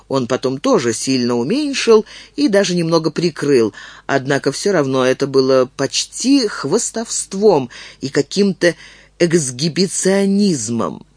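A man narrating an audiobook in an expressive storytelling manner. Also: fairly high pitch, no room sound.

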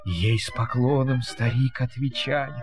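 A man's voice: medium pitch, a little slow, soft background music. A man narrating a fairy tale in verse as a storyteller, with a theatrical, singsong delivery.

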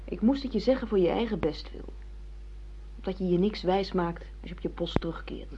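A woman's voice: medium pitch, a little fast, dark tone, slight background noise, natural voice. A woman acting a self-assured secretary and secret mistress in a Dutch radio play, frank and reproachful as she lectures her boss. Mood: chiding. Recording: muffled lo-fi radio play recording.

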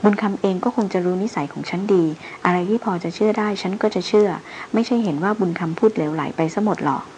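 A woman reading the lines of a seasoned male hunter who speaks in a calm, level-headed and skeptical way. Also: medium pitch, quick pace, slight background noise, lightly acted. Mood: measured.

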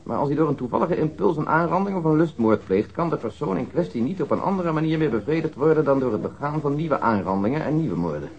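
An actor in a radio drama playing an earnest, methodical police detective, speaking in a measured, serious, explanatory way. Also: male voice, fairly high pitch, expressive, dull audio, a little hiss or hum. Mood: earnest, grave.

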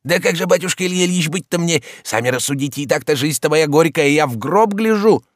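A man's voice: a little high, expressive, brisk, no room sound, studio quality, voice pushed up, close to an everyday voice. A man reading an audiobook voices a timid, grumbling old manservant who mumbles and pleads. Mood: plaintive.

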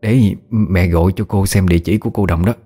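A man voicing a gentle, worried middle-aged mother who speaks softly and soothingly. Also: low-pitched, a little fast, breathy edge, faint music behind. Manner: soft, soothing.

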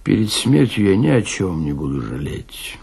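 A male reader acts out a jaded, ageing nobleman gone to seed in a tavern. The voice is low and gravelly with a husky edge. He speaks with impassive indifference, as in a dramatised classic story. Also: sing-song, moderate pace, darkish tone, full character voice. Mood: indifferent, world-weary. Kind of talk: dramatic literary reading.

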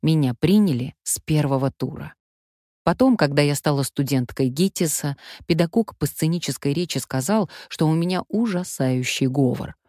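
An older actress recounts her own life with wry, lively humor, bringing her anecdotes to life as she tells them. Her voice sits low for a woman and sounds dry and close, with almost no room around it. She is from Siberia. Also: moderate pace, no room sound. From Omsk, Siberia, Russia. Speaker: stage actress. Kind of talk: memoir storytelling.

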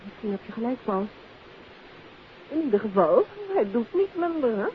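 A woman's voice: a little high, expressive, moderate pace, lightly acted. A woman playing a detective's wry, inquisitive wife in 1950s Dutch radio drama style. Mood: wry, musing. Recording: tinny, faintly noisy old radio recording.

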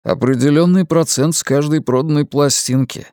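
A man's voice: a little high, moderate pace, darkish tone, no echo, studio quality, lightly acted. A man voicing a defensive young singer son. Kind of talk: audiobook character voice.

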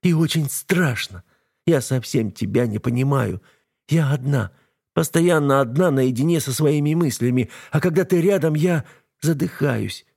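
A man voicing a defiant, frightened young wife in an audiobook, raising his voice high and pleading. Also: expressive, moderate pace, slightly rough. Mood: tearful. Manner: pleading, shouting, breaking into sobs. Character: young woman, defiant, scared and furious wife. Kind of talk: audiobook narration.

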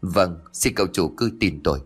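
A man's voice: low voice, normal speed, husky, faint music behind. A man doing a stern, loyal company elder.

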